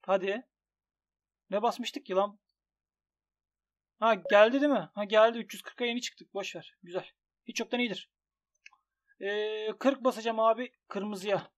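High-voiced excitable young man. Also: measured pace, long pauses. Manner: excitable, swings from grumbling to shouting at losses. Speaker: gaming YouTuber. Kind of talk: commentary on an online gambling site.

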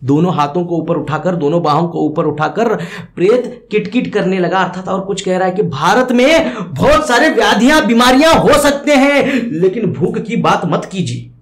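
A high-pitched man teaches a poem as a Hindi lesson. He goes line by line, repeating words and glossing each one in plain terms. The recording has a clear room echo. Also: lively intonation, moderate pace.

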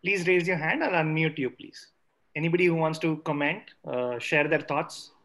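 A man's voice: a little high, moderate pace, a bit bright. A man moderating an online question session in a polite, hesitant manner. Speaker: webinar moderator.

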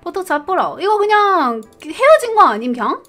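Lively, high, bright young woman streamer. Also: normal speed, soft background music. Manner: reads questions aloud, puzzles over answers, laughs often. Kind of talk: casual live-stream quiz commentary.

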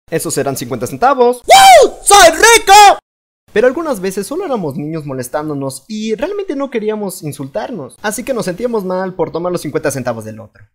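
Fast, lively Latin American narrator. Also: male voice, sits high. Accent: Latin American Spanish. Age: young adult. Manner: animated, playful delivery. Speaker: fandub narrator. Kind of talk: comedic storytime narration.

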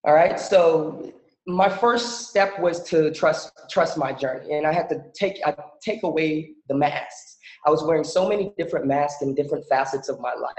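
Man from the Bahamas, easygoing presenter with lots of fillers, slightly high pitch, roomy lo-fi call audio. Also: moderate pace. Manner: relaxed, chatty, many fillers. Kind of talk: casual presentation on a video call. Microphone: video call. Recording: echoey, dull video-call audio.

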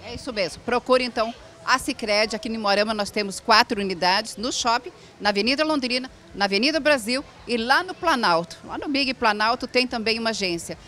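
A woman's voice: on the high side, expressive, brisk, bright, forceful tone. A middle-aged woman, hosting a variety show, chatty and affirming while interviewing at an indoor event stand on a handheld mic.

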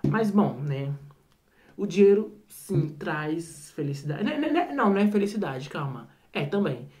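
A man's voice: high voice, very animated, normal speed, darkish tone. A man with a Brazilian accent talking at home in a late-night vlog, chatty and rambling, with many fillers and repeated words. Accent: Brazilian Portuguese. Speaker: vlogger.

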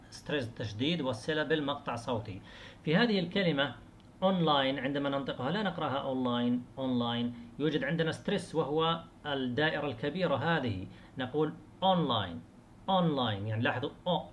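A man teaching an English lesson to students, explaining in Arabic and reading English examples slowly, repeating words to show stress. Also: medium pitch, fairly bright tone, a little hiss or hum.

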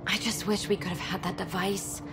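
A woman's voice: mid-range voice, fairly even intonation, brisk, close to an everyday voice. Actress as young female alien explorer, wry, impulsive, casual game dialogue, prominent music behind. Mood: thoughtful. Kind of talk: video game cinematic acting.

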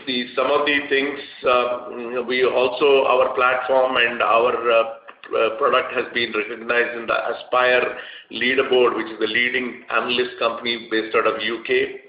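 A man with an Indian accent speaks haltingly as a company executive leading an earnings call. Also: mid-range voice, flat delivery. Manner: halting, hesitant delivery with long hesitations. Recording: dull, echoey conference call line.

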